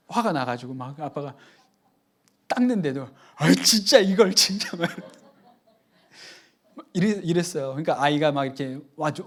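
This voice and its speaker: A male pastor giving a sermon. He tells a family anecdote in a chatty, conversational way and often turns to the congregation with quick asides. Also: on the high side, a little mellow.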